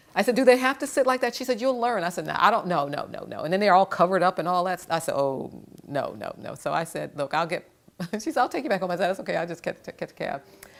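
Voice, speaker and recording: A woman's animated tone, very wide pitch swings and a very fast pace. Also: medium pitch for a woman. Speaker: public speaker sharing life story. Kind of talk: personal testimony talk.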